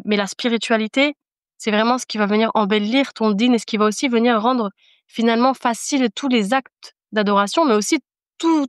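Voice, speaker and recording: Woman podcast guest, kinda high voice, earnest n emphatic, repeats herself, really dry close sound. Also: clear, resonant tone, dry recording. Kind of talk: personal testimony in casual conversation.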